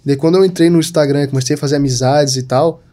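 A young guest on a podcast, a digital marketer from Santa Catarina, Brazil, chats casually in a mellow voice that's a little high with fairly even intonation. He talks at a quick pace, using plenty of "tipo" and "sabe."

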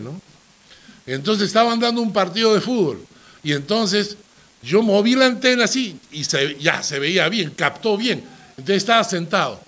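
Lively, higher-pitched middle-aged man preaching. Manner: animated storyteller, often asks listeners for agreement. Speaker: pastor. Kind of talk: Bible study teaching.

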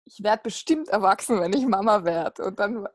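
A woman's voice: medium pitch, animated, normal speed. German woman hosting a podcast. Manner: friendly, warm reactions, laughs along. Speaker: podcast host. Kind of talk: casual podcast interview.

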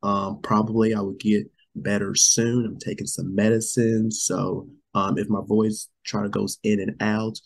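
A man's voice: lowish voice, flat delivery, a little slow, few pauses. A man co-hosting a casual show, sick and losing his voice, rambling and saying "you guys" a lot. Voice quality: gravelly, husky. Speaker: podcast co-host.

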